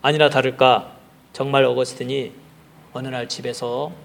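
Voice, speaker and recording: A male pastor preaching a sermon, telling stories in an animated way and acting out the characters. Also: medium pitch, moderate pace, vocal fry, slight background noise. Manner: animated storytelling that acts out the characters. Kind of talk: sermon storytelling.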